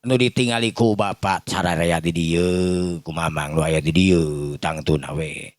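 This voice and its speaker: Sundanese village uncle played by a male storyteller, lowish pitch, dry sound, humble, halting, repetitive pleading in a folk tale. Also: fairly even intonation, no echo. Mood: earnest, respectful. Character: respectful village uncle pleading for a child's guidance.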